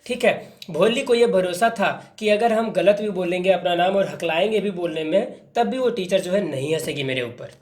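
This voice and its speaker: High-voiced man explaining a lesson. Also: echoey room. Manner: reads English lines slowly, then explains with many fillers. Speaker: English teacher. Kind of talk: explaining a textbook story in Hindi.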